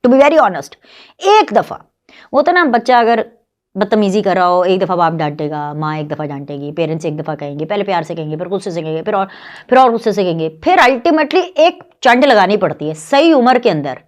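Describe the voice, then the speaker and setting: A fiery Pakistani woman hosts her own commentary show, scornful and mocking as she rails on. Her speaking voice sits at an ordinary middle pitch for a woman, and her delivery stays animated throughout. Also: fairly quick. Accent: Pakistani Urdu. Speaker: political commentary show host. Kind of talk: heated political monologue.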